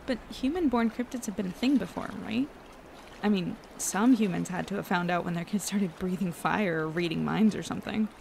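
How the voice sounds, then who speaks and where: An actress as a supportive young woman in an audio drama, with a noticeably creaky, mid-pitched voice. She sounds easygoing and reassuring, speaking naturally over light ambience. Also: fairly quick, a little mellow, a little hiss or hum, lightly acted. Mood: curious.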